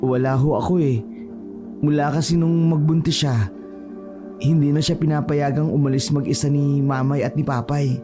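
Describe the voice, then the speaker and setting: A man's voice: fairly high pitch, fairly even intonation, moderate pace, over music, natural voice. Man playing a hesitant young village man. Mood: worried. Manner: respectful, hesitant.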